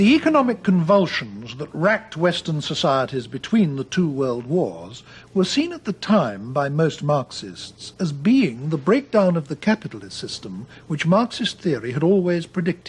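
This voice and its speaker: A man with a British accent speaks at a moderate pace, his pitch swinging very widely and hardly any pauses breaking his speech. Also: fairly high pitch for a man. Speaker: TV interviewer, philosophy professor. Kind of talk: TV documentary introduction.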